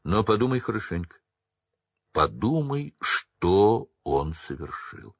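A man voicing a bitter, furious adult wizard with a low, seething growl. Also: big pitch swings, slow pace, dry recording, heavily acted. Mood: grim.

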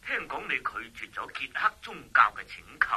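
An actor voicing a persuasive male international police chief in a Cantonese radio drama, talking in a hushed, knowing half-whisper. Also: mid-range voice, big pitch swings, brisk, breathy edge, full character voice. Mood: sly. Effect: telephone line. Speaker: police official.

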